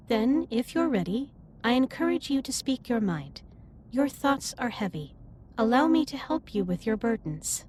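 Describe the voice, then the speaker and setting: A woman playing a caring alien starship captain in a sci-fi audio drama, speaking formally and in measured phrases with gentle reassurance. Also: fairly high pitch, slight background noise, close to an everyday voice. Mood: calm, caring. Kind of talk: scripted roleplay audio drama, intimate comforting monologue. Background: ambient music.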